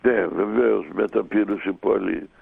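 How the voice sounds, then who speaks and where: A man telling a long anecdote as a radio guest, in a lively, unhurried way. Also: lowish voice. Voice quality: gravelly and husky. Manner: lively, animated retelling with many pauses. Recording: tinny phone line on radio.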